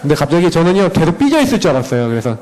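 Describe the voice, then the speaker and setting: Man in his thirties, slide presentation, animated storytelling, fairly high voice, very lively pitch. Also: very fast, low-quality recording. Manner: animated storytelling, acting out dialogue with his children. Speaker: parent speaking at a church education session.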